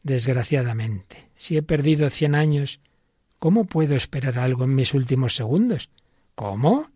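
A man reading the lines of an elderly dying philosopher, humble and pleading, in a slow, halting way. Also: medium pitch, lively intonation, dark tone, breathy edge, dry recording, clean studio sound. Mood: earnest.

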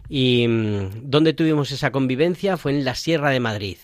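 A man's voice: medium pitch, lively intonation, moderate pace, dry recording, studio quality. A man hosting a casual radio chat, playful and joking about his own stumbles. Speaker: radio show host, seminarian.

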